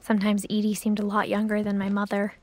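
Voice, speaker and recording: A woman voicing a young woman who narrates her family's history in a video game, speaking softly and close to a whisper. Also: mid-range voice, completely flat delivery, fast talker, noisy background, lightly acted. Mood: calm. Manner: soft, hushed storytelling, often near a whisper.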